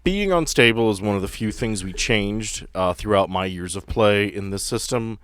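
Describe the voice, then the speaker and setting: Low-voiced man running a tabletop game. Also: moderate pace, smooth. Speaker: game master. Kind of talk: narrating and refereeing a tabletop game.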